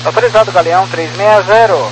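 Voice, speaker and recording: Brief: Brazilian male pilot, high voice, clipped readbacks, noisy crackling cockpit radio. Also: quick pace. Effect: crackly aviation radio. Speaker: airline pilot.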